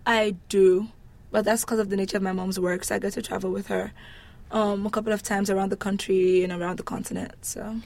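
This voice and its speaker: A woman's voice: medium pitch, little pitch movement, brisk, vocal fry, darkish tone. Casual woman in conversation. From Nigeria. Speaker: interviewee describing her home country.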